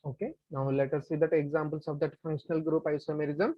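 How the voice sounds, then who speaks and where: A woman's voice: low voice, fairly even intonation, quick pace, no echo, lo-fi sound. A woman teacher with a South Asian accent explains step by step in a classroom-style lesson, repeating herself and answering her own questions. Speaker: chemistry teacher.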